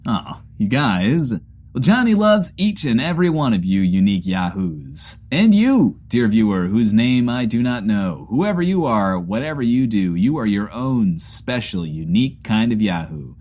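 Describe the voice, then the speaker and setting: A folksy, cheesy wasteland show host, played by an actor, with a lowish voice that bounces around in pitch. He has a showman's patter and talks about himself in the third person. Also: sing-song, measured pace, a little mellow. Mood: affectionate. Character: cheesy post-apocalyptic radio host.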